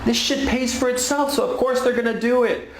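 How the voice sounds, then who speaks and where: A man's voice: very high-pitched, steady tone, fairly quick, roomy sound, a little hiss or hum, poor audio. A man from Chile delivering a blunt, sarcastic opinion monologue with coarse language. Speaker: political commentator.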